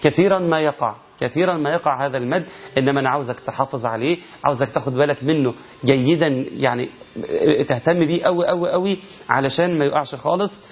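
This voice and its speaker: A man's voice: on the high side, slightly rough. Man, Egyptian accent, recitation lesson, rhetorical questions, chanted verse examples, muffled lo-fi sound. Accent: Egyptian Arabic. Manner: asks rhetorical questions and answers them, demonstrates by chanting drawn-out verses. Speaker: Quran recitation teacher. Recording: lo-fi muffled recording.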